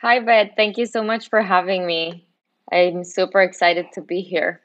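A woman's voice: on the low side, level tone, normal speed, a bit bright. A woman from Guatemala, a podcast guest, answering earnestly in a conversational way. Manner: earnest, with occasional restarts.

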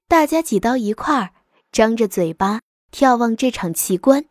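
A woman's voice: fairly high pitch, expressive, normal speed, no room sound, studio quality. A woman hosting a children's show, telling a fireside bedtime story expressively and speaking directly to young listeners.

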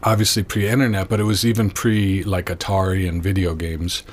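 A man from Connecticut, a guest, telling stories of his childhood in a relaxed, rambling way with many fillers, recorded in a trailer. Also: sits low, normal speed, a little hiss or hum. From Connecticut, USA. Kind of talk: casual storytelling interview. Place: trailer with wind and flags outside.

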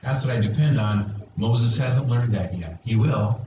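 A man's voice: medium pitch, unhurried, mellow, slight background noise. A male pastor's sermon voice, heard from far back in a very echoey church hall on a dull, muffled recording. He keeps the congregation involved, tossing them questions and asking for replies. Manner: engaging, questions the congregation and calls for responses. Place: church sanctuary.

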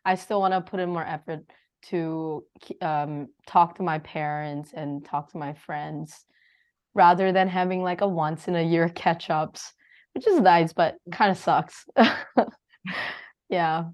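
A woman's voice: lowish voice, measured pace, darkish tone, muffled recording. A young woman hosting a podcast, chatting casually and giggling often. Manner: giggly, chatty, with frequent laughs and fillers. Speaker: podcast host. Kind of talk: casual chat.

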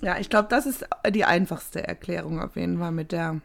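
A woman with a creaky voice co-hosting a casual conversation about a crime case. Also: on the low side, moderate pace. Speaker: podcast co-host.

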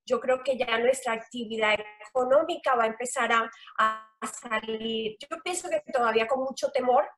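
Bright-voiced Colombian coastal woman. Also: on the high side, moderate pace, hardly any pauses. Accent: Colombian Caribbean coast Spanish. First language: Spanish. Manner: earnest, explanatory, with frequent "eh" fillers. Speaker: loan officer guest. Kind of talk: interview answers.

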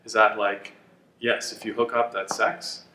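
A man's voice: on the low side, little pitch movement, unhurried, bright, forceful tone, roomy sound, a little hiss or hum. A man in his sixties, co-creator of the podcast, talking earnestly on a panel. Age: 60s. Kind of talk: casual panel discussion.

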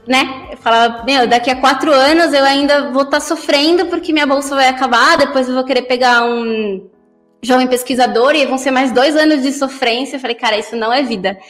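A woman's voice: a little high, fairly bright tone. Colombian-born young woman with an echoing voice. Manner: candid, laughs at herself, talks fast in bursts. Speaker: podcast guest. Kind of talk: casual interview answers. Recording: long hall reverb with faint music.

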